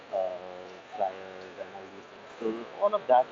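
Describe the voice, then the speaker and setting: Noticeable background noise is present. A man talks over it at a moderate pace. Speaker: tech reviewer. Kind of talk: product test vlog. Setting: outdoors on a bike, inside a helmet; shopping mall. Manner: hesitant with many fillers. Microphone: wireless earbud mic, echo inside closed helmet.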